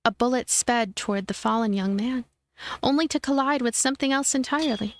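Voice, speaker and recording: A woman's voice: a little high, steady tone, a little fast, a little hiss or hum. A woman narrating a visual novel as a let's play host, reading the story expressively. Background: background music.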